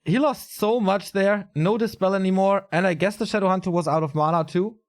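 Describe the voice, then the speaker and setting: A man commentating a strategy game alone, casual and chatty, his voice a little raspy and tired. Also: high voice, steady tone, fairly quick. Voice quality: casual, chatty delivery with fillers. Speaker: esports caster.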